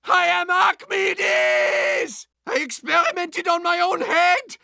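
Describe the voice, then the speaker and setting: An actor playing a manic bird-headed mad doctor in a video game. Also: male voice, extremely high pitch, very animated, slow pace, vocal fry, bright, forceful tone, no room sound, clean studio sound, exaggerated voice. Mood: manic anguish. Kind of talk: theatrical video game acting.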